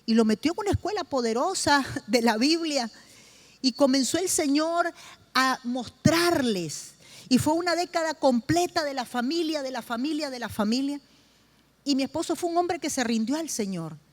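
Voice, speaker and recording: A middle-aged woman pastor preaching a sermon with personal testimony, emphatic and slow, repeating key phrases for stress. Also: high voice, expressive.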